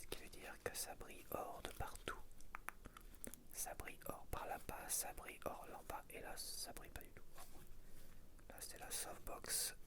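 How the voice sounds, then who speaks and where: A man whispering gently throughout an ASMR video, chatting and slowly counting aloud as he sorts stickers. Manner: soft unvoiced whisper throughout. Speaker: ASMR creator. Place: home setup with softbox lighting.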